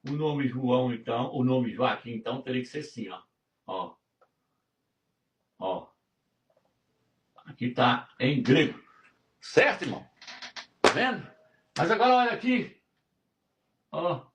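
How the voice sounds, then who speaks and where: Emphatic preacher, slightly high voice. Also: male voice. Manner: emphatic, repetitive, keeps asking "tá vendo?". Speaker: religious teacher. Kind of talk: live-stream Bible teaching.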